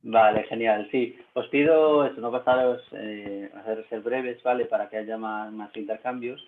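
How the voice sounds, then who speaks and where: A man with a Spanish accent from Spain, moderating a panel over a video call with a low voice and frequent hesitations. His audio comes through thin and tinny, like a phone line. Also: fairly even intonation, normal speed. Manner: hesitant, many filler sounds. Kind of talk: casual online panel chat.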